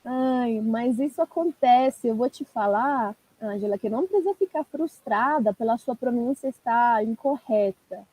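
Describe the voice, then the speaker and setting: A woman's voice: a little high, unhurried, hardly any pauses, mellow, slightly rough, poor audio. A woman, a language teacher giving encouraging, direct advice in a live-stream coaching talk.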